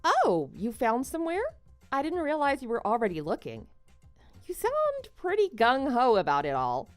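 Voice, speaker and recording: A woman playing a devoted but slightly needy wife in a scripted online story drama, speaking in an expressive, conversational way. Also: high voice, normal speed, dry recording, soft background music. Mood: doubtful.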